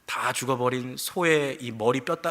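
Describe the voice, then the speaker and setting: A man's voice: medium pitch, a little slow, a bit bright. A man preaching a sermon as pastor, earnest and telling a folktale with animation.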